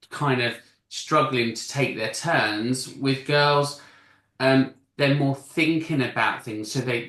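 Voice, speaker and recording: A man's voice: medium pitch, fairly bright tone, roomy sound. A man in a casual panel discussion who explains at length in long stretches, often restarting his sentences. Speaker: panel guest explaining masking.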